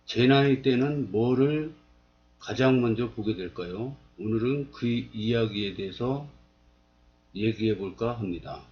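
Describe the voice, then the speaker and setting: A man's voice: mid-range voice, unhurried, highs cut off. Plain-spoken man in his fifties. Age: 50s. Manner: plain, steady, asks rhetorical questions. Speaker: video blogger. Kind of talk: explaining while pointing at a map.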